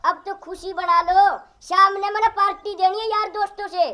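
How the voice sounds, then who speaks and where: Performer doing a cartoon young husband, very high-pitched, squeaky, pleading. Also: level tone, moderate pace, pushed and bright. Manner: pleading, then angry. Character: young husband caught between wife and mother.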